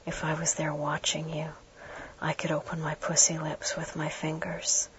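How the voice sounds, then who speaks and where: A woman performs an ASMR role-play, intimate and hushed, as if right in the listener's ear, instructing the listener directly. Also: low-pitched, completely flat delivery, normal speed. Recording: dull muffled audio with clear background noise.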